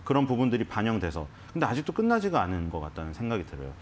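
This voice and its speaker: Animated man giving stock commentary. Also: on the low side, rapid-fire, a little hiss or hum. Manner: explanatory, animated, frequent restarts. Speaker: stock analyst guest. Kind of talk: conversational market commentary. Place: TV studio.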